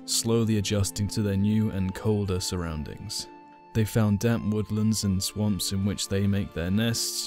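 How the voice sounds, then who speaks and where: A man's voice: fairly low pitch, darkish tone. A man narrating a video game lore explainer in a casual way, adding dry joking asides. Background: faint game soundtrack music.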